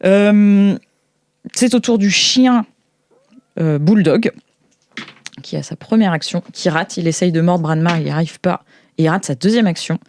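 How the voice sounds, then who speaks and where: A woman with a French accent improvising narration as game master of a tabletop role-playing game, thinking aloud in halting phrases. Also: fairly low pitch, a little mellow, a little hiss or hum. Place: studio.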